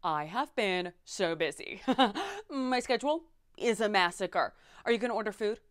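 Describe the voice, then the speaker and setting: A woman's voice: mid-range voice, very animated, normal speed, no room sound, clean studio sound, close to an everyday voice. A woman playing a frazzled, self-important, overworked friend, confiding with strain in a comedy monologue.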